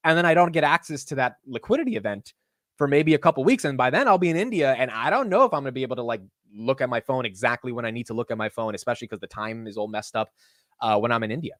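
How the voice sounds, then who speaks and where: Young guy w a deep voice yapping fast about stocks, lots of "dude", dry close mic. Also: no room sound. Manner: animated, says "dude" and "like" a lot. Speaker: host of a live market stream. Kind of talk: casual livestream chat.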